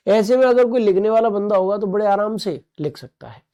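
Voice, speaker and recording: Teaching an online exam-prep lesson, a man jokes playfully with students' comments and drills terms by repeating them and firing off quick questions. His voice sits high and sounds animated, with a dark, smooth tone.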